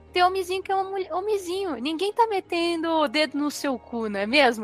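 Over music in the background, a woman speaks at a fairly quick pace in an extremely high voice with very wide pitch swings. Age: 20s. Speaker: gamer, podcast panelist. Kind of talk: casual chat.

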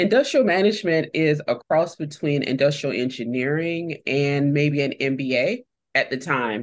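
A woman's very deep, low voice in an American accent, fairly slow, with ordinary pitch variation. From US South, South Carolina. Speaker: civil engineer and founder. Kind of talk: interview.

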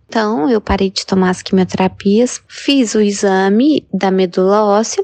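A woman talks at a moderate pace in a fairly high pitch, with ordinary pitch variation and a normal speaking voice. The sound is dry and close, with no echo. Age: 30s. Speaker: hematologist and cancer survivor. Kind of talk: testimony.

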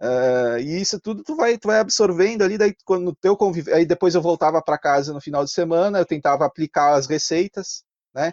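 This man's voice has a high pitch with ordinary pitch variation. He talks at a fairly quick pace with hardly any pauses. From Serra Gaúcha, Rio Grande do Sul, Brazil. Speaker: chef. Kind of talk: casual chat.

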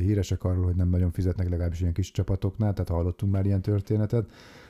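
His dark, mellow tone comes through very fast in a very deep, low pitch, somewhat breathy and monotone, as the man is heard in a dry, close sound with no echo. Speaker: sports podcast co-host. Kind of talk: casual chat.

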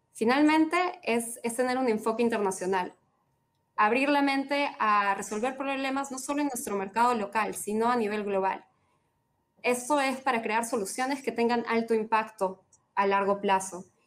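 At a fairly high pitch, a woman with an unremarkable speaking voice talks at a moderate pace with ordinary pitch variation. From Peru, coast. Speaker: partnerships lead at a startup organization. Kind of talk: interview.

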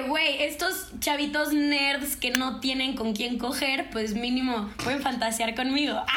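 A woman projects a raised, high-pitched voice at a very slow pace, with very even loudness. Audible room echo and noticeable background noise fill the recording. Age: 20s. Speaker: content creator. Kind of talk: casual chat.

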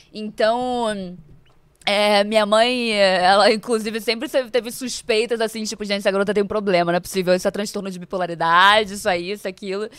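Using an ordinary speaking voice, a woman talks at a fairly quick pace. Her pitch is medium and her intonation fairly even. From Rio de Janeiro, Brazil. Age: 20s. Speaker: influencer and backpacker. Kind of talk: casual interview chat.

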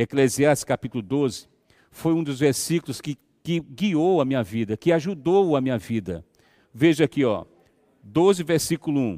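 The man's voice is fairly high-pitched with a dark, mellow tone and a moderate pace. The sound is dry and close with no echo, on a very clean recording with a silent background. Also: lively intonation. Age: 50s. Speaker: pastor. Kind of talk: sermon. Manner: halting.

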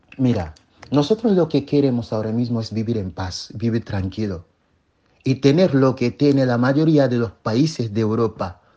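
The voice has a dark, mellow tone and moves at a fairly slow pace against a quiet background. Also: man. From Senegal. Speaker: actor and activist. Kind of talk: interview. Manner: halting.

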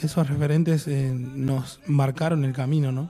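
A man's fairly even intonation accompanies his fairly slow pace. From Argentina, Buenos Aires province. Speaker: folk musician. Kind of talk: radio interview. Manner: halting, with filler sounds.

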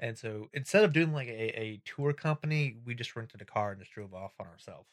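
A man uses a normal speaking voice at a medium pitch, moving at a moderate pace with ordinary pitch variation. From various US states, military family. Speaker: podcast co-host. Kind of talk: casual chat.

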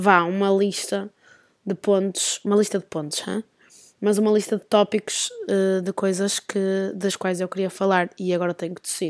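A woman speaks at a moderate pace with a monotone, flat intonation. The sound is dry and close, with no echo. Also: medium pitch for a woman. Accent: Porto. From Portugal, Porto. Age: 20s. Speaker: podcast host. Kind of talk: casual monologue. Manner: halting.

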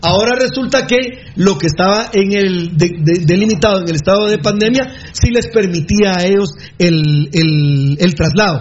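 A man's high voice, with ordinary pitch variation, carries at a moderate pace through noticeable background noise. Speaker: sports radio co-host. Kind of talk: radio talk show.

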